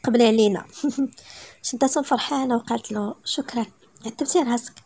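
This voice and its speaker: Moroccan woman, storyteller, brisk reading, breathy husky tone, quick pace, slightly high voice. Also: a little mellow. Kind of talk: reading a romance story aloud.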